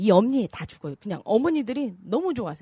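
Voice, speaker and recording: Against a quiet background, a woman with a dark, mellow, somewhat breathy voice talks at a fairly quick pace with lively intonation. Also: dry, close sound with no echo. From Jeonju, Jeolla, South Korea. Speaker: urban regeneration activist. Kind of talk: interview. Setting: studio.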